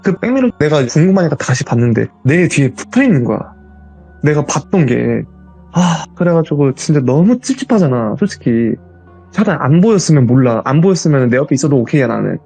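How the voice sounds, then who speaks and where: Guy telling his ghost story real fast and animated, swoopy pitch, sits a bit high. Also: creaky, breathy edge, soft background music. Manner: animated, vivid retelling. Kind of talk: casual storytelling.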